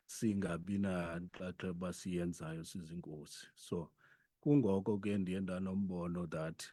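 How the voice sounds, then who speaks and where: A South African man with a Xhosa accent and a deep voice speaks as an interviewed chief. His tone is dark and soft-edged, in a close, dry recording, and he explains by moving between two languages. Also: slightly rough, dry recording. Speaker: interviewed foundation founder and chief.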